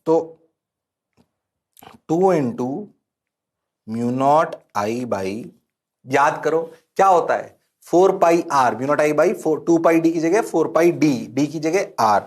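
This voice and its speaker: A man teaching physics in an animated, playful exam-prep lecture, who teases his students and answers for them in a low mumble. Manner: playful, teasing, sings out exclamations; mimics students' replies in a low voice.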